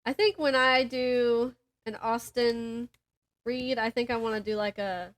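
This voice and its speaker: A woman's voice: on the high side, fairly even intonation, measured pace. A woman podcast co-host having a casual, informal chat about books.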